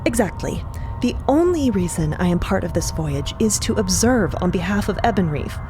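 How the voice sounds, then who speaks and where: A woman's voice: mid-range voice, expressive, normal speed, music in the background, lightly acted. A woman playing a determined, earnest young noblewoman, eager and articulate, in an audio drama. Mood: earnest pleading.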